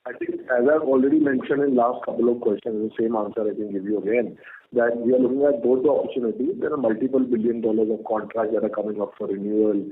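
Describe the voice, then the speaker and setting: A man's voice: mid-range voice, steady tone, quick pace. A man with an Indian accent answering questions as a company executive on an earnings call, firm and given to repeated filler phrases. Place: conference call by phone. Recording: tinny phone line with noise.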